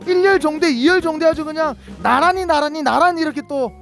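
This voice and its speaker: A young man hosting a market vlog through a face mask, loud and playful, cracking jokes and hyping the stalls. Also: very high-pitched, fast, creaky, faint music behind. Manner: loud, playful, jokey, punchy hype. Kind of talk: hyped street interview hosting. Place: outdoor traditional market.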